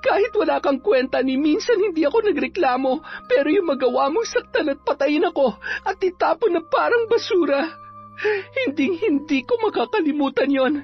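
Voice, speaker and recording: A shrill young woman sobs out her words in a high, strained voice, tearful and vengeful, as a male storyteller puts her on. The recording is slightly dull, with faint music underneath. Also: lively intonation, normal speed. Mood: tearful, furious.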